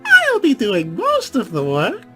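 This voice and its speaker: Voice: mid-range voice, wildly swooping pitch, unhurried, pushed and bright, faint music behind, voice pushed up, full character voice. A narrator voicing a bubbly, hyperactive young pink pony mare in a storybook reading, squealing and gushing. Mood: cheery.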